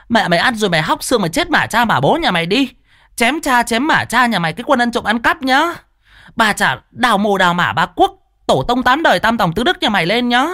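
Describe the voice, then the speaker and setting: A man voicing a foul-mouthed village woman who hurls shrill, rapid curses at her neighbors. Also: pushed and bright, exaggerated voice. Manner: screeching, rapid cursing rant.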